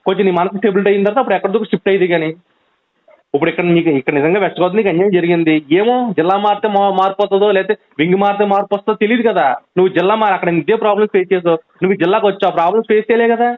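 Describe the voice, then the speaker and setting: A man's voice: sits high, fairly even intonation, racing. A man on a phone call, urgently pleading and reasoning with a friend, with many restarts. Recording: tinny phone line recording.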